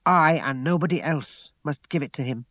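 A man's voice: fairly high pitch, moderate pace, fairly bright tone, dry recording, pitched above the performer's own voice. A man voicing a bitter, grieving young working-class woman with an emotional, accusing manner in a story. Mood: angry, defiant.

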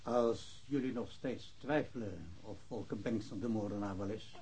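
An actor playing a plain-spoken, doubting colleague of police detectives in a radio play. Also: male voice, fairly low pitch, moderate pace, a little mellow, a little hiss or hum, lightly acted. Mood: measured, doubtful. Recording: muffled radio play recording, faint music.

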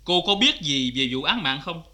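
An actor playing a stern, formal court judge questioning witnesses in a cải lương drama. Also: male voice, on the high side, very animated, moderate pace, pushed and bright, full character voice.

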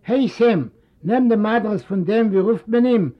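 A man's voice: sits high, lively intonation, unhurried, voice pushed up. A man voicing a successful, self-important son who coaxes his old father and mixes in English words, a native Yiddish speaker. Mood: impatient. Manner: coaxing then impatient, mixing in English words. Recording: dull lo-fi recording.

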